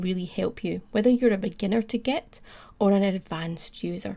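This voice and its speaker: In a Scottish accent, a woman talks at a moderate pace with fairly high pitch and ordinary pitch variation. Her tone is dark and mellow, and somewhat breathy. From Scotland. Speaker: IT trainer, conference speaker. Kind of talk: tech talk presentation. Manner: scripted, clear.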